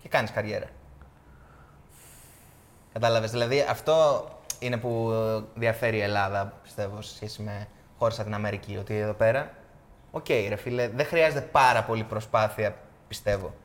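A man's voice: fairly low pitch, fairly even intonation. A young man in casual podcast chat, slangy, calling the others bro and mixing in English words.

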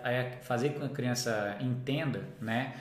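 A man's voice: mid-range voice, unhurried, roomy sound. A man co-presenting a lesson, adding clarifications and often ending phrases with a questioning tag. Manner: adds clarifications with many "né" tags. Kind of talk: explanatory online lesson.

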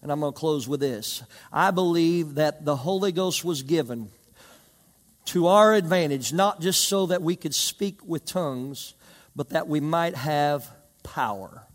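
High-voiced preacher in a reverberant hall. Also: male voice, measured pace. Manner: emphatic preaching with anecdotes and congregation call-and-response. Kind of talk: sermon. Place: church service with live congregation.

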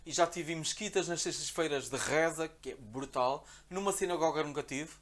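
Excitable high-voiced Portuguese man. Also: moderate pace. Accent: European Portuguese. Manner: animated, excitable, acts out quotes. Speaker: podcast guest. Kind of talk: casual storytelling.

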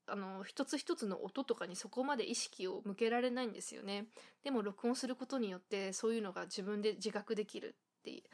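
A woman from Japan hosting a casual solo podcast, thinking aloud and filling pauses with frequent fillers. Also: medium pitch. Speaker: podcast host.

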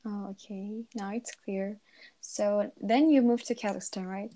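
Mellow-voiced woman interviewer, relaxed prompts. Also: medium pitch, a little slow. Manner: relaxed, prompting with guesses and soft fillers. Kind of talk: casual conversational interview.

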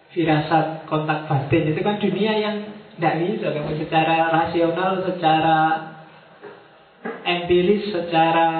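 A man's voice: a little high, slight background noise. A man giving a casual, joking lecture to a university class, speaking to the students directly. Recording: distant mic, tinny, very echoey room.

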